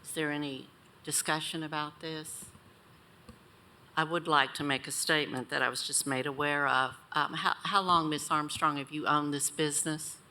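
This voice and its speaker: A woman's voice: low-pitched, steady tone, moderate pace, bright, forceful tone. A woman chairing a county board meeting, running procedure and asking pointed questions.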